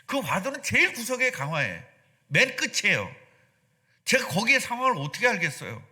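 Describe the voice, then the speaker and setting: Middle-aged male pastor, sermon, bright forceful tone, quizzes the pews. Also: high-pitched, brisk. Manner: animated, asks the congregation questions. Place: church sanctuary.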